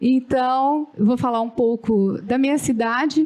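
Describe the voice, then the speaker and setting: Fairly high in pitch, a woman's voice has a dark, mellow tone. She speaks fairly slowly with ordinary pitch variation. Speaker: school teacher. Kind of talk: panel presentation.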